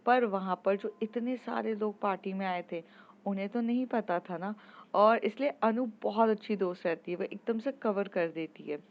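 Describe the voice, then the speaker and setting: A woman's voice: medium pitch, moderate pace, muffled recording. Casual woman storyteller with fillers. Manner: informal, many filler sounds.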